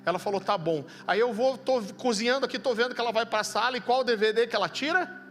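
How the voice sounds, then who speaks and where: High-voiced Brazilian pastor preaching. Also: male voice, quick pace. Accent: Brazilian Portuguese. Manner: humorous storytelling, shifts to low quiet intensity. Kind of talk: sermon. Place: large church hall. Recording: long hall reverb, faint music.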